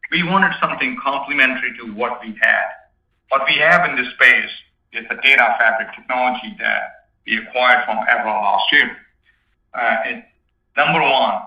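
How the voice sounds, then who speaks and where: A man speaking as a company executive on an earnings call, explaining the business point by point in short emphatic phrases. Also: medium pitch. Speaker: company executive answering analysts' questions. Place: conference call. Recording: roomy, distant, dull conference-call audio.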